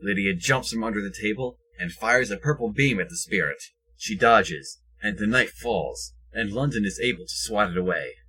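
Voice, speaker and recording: A man's voice: lowish voice, expressive, moderate pace, sharp tone, slightly rough, poor audio. A man reading scripted present-tense action narration for an audio drama.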